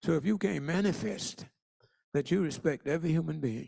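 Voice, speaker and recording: A man with an eastern North Carolina accent. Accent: eastern North Carolina Southern US. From eastern North Carolina, Hertford County. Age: 80s+. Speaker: retired educator and integration advocate. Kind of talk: lecture.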